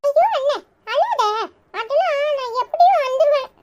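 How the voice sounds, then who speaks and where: A woman with a Tirunelveli Tamil accent voices a cheeky, chirpy little boy in a cartoon, a chatty and bossy character. She speaks at normal speed in a very high yet darkish voice. The sound is lo-fi, with background noise clearly heard.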